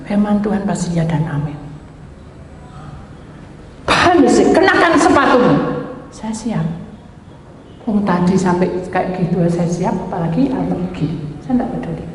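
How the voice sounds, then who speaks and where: A woman pastor preaches, telling her story with animated, acted-out dialogue. Her voice rings through a very echoey hall with a long reverb tail. Faint room noise sits behind her. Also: medium pitch, moderate pace, long pauses. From Indonesia. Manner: animated storytelling, acts out quoted dialogue, mixes in Javanese. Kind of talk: sermon.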